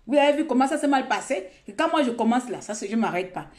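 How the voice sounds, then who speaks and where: A woman from Gabon talks straight into her phone during a live stream. She rambles and repeats herself, lecturing her viewers and then drifting into casual chat. Her voice sits a little high. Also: expressive, quick pace, darkish tone. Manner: talkative, scolding and repetitive, mixing sermon and chat.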